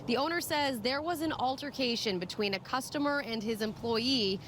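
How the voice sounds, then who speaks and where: A female TV reporter speaking live from the scene, her voice a bit high. She gives the facts steadily while a faint outdoor hum sits underneath. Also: moderate pace, fairly bright tone. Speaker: field reporter. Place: on location outdoors.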